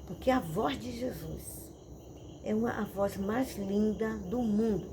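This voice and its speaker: A middle-aged woman pastor, telling her testimony in an animated storytelling way with dramatic repetitions. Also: mid-range voice, measured pace, background noise. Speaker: missionary and pastor. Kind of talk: testimony preaching. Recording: crickets and insects chirping behind.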